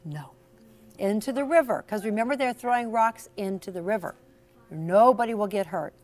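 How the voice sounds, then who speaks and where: A woman's voice: mid-range voice, lively intonation, normal speed, darkish tone, slight background noise. A woman storyteller doing an interactive read-aloud for young children, encouraging and teacherly, with theatrical emphasis. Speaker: storyteller and author. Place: in front of a class of children.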